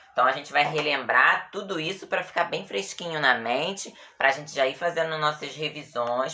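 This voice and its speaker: A woman's voice: deep voice, sharp tone. A woman teacher with a Brazilian Portuguese accent gives a grammar lesson patiently, stretching out example words and often checking with her students.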